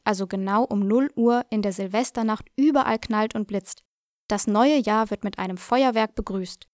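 A woman presenting a language lesson, explaining in a clear, measured, scripted way. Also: on the high side, dry recording, studio quality.

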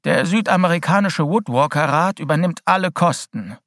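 A man voicing a gruff, bitter old male school headmaster and former policeman who growls his words curtly. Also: fairly high pitch, normal speed, fairly bright tone, dry recording, studio quality, pitched above the performer's own voice. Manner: growling, curt.

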